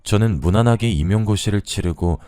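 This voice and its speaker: A man reading a first-person story aloud in a steady, confiding narration. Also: fairly low pitch, fairly quick, no echo, studio quality.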